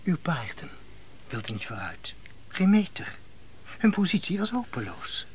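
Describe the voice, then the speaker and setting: An actor playing a calm, courteous host to a defeated lord in a radio play, measured, hushed and deferential. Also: male voice, on the high side, slightly rough, full character voice. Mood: matter-of-fact. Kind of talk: Dutch radio play acting. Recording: noisy old radio play recording.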